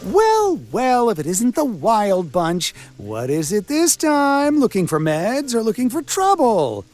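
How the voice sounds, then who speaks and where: An actor voicing a sardonic, wisecracking village doctor and coroner in a video game, with a theatrical delivery. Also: male voice, high voice, wildly swooping pitch, takes it slowly, a little mellow, heavily acted. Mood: scornful. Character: sarcastic village doctor and coroner, self-styled man of science. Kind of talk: video game character acting.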